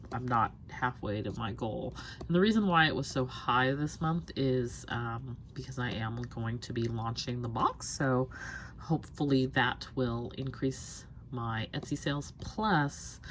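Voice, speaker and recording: A woman's voice: low-pitched, slight background noise. A young woman chatting through her monthly budget check-in, rambling with lots of ums, sounding stuffy and sniffly. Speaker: budget planner vlogger.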